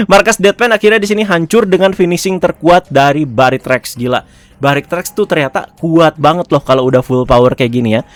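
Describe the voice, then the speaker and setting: A man's voice: on the high side, no echo. A man giving a casual, chatty review of a TV episode, often chuckling and tagging his phrases.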